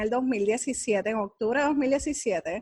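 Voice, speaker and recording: Against a quiet background, a woman with a Puerto Rican accent speaks at a fairly high pitch with ordinary pitch variation. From Puerto Rico. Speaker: personal finance mentor and podcaster. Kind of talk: interview.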